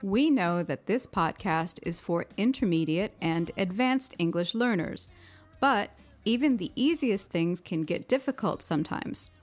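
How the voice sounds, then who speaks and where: A woman co-hosting an English-learning podcast, explaining things in a clear, friendly way. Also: fairly low pitch, expressive, unhurried, faint music behind. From United States. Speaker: podcast co-host.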